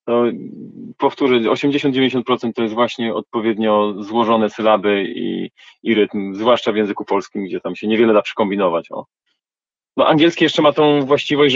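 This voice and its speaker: A man's voice: lowish voice, no room sound, lo-fi sound. A man, a rapper, answering interview questions in a reflective, colloquial way.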